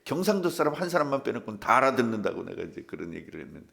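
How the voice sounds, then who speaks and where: A man's voice: medium pitch, very animated, racing, creaky, fairly bright tone. An older man, a pastor, preaching a humorous sermon in a church and acting out the voices of the people in his stories. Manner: humorous storytelling, acts out quoted voices.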